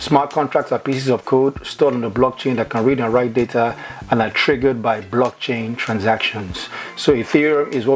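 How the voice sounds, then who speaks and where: Noticeable background noise runs under this recording. A man speaks at a medium pitch with fairly even intonation. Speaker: crypto educator YouTuber. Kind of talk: tutorial. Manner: fast.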